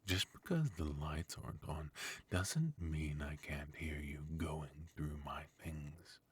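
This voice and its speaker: A man playing a smug, fussy retired supervillain husband in an intimate comedic ASMR roleplay, with a husky, mock-sinister delivery. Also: rumbling low, slow, full character voice. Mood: quietly menacing.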